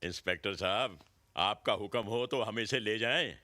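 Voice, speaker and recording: A sarcastic garage owner defends his young worker. His voice is bright and mid-pitched, and it sounds close and dry. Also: moderate pace, no room sound. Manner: sarcastic, protective. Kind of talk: Hindi film acting.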